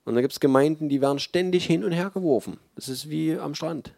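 A man preaching a sermon in a relaxed, mellow voice, talking to his congregation in a conversational and emphatic way with frequent fillers. The sound is dry and close, with little room around it. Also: fairly high pitch, brisk, vocal fry, no room sound.

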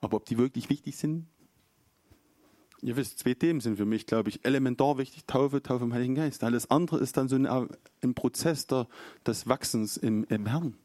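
A man's voice: medium pitch, moderate pace, a little mellow, dry recording, clean studio sound. A man preaching an informal sermon, chatty and storytelling, acting out quotes along the way.

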